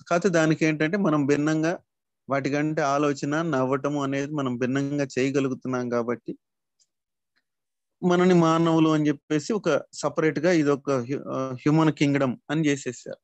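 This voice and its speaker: A man's voice: on the high side, fairly even intonation, normal speed, no room sound, muffled recording. A man teaching a spiritual class in an explanatory way, addressing his listeners as masters.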